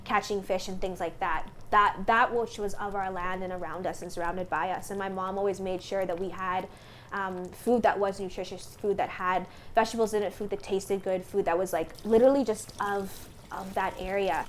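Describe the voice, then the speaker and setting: A woman's voice: mid-range voice, steady tone, moderate pace, slight background noise. Reflective Bahamian woman. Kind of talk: documentary interview.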